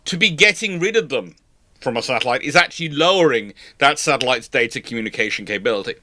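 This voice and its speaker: A man's voice: medium pitch, lively intonation, fast, pushed and bright, a little hiss or hum. A man hosting a live question-and-answer stream, chatting casually and thinking aloud in a rambling, conversational way. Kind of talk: casual live panel chat.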